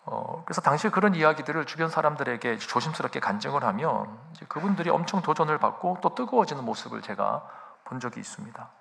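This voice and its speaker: Male pastor, sermon, church sanctuary, gravelly voice, very lively pitch, animated storyteller. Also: fast talker, few pauses, slight background noise. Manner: animated storytelling, addresses the congregation with rhetorical questions.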